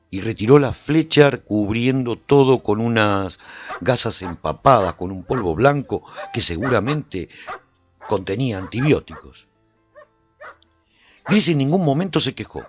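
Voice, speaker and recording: A man's voice: on the low side, lo-fi sound. A man giving an intense, dramatic first-person narration for a radio serial.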